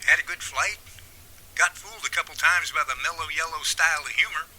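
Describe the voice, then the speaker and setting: A man's voice: on the high side, a little fast, pushed and bright, a little hiss or hum, low-quality recording. A man playing an easygoing young Bigfoot researcher from California in an amateur radio drama, with a folksy, wry manner. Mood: wry, weary.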